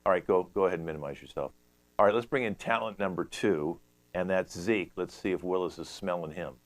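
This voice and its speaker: Deep voiced guy hosting improv over a video call, lots of ums. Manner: halting, filler-heavy emcee patter. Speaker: improv show host. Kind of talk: hosting live improv games.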